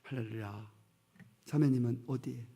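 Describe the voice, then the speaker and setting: A man's voice: medium pitch, normal speed, creaky, warm tone. A male pastor preaching a sermon, emphatic, questioning his congregation directly and acting out stern voices in quoted speech.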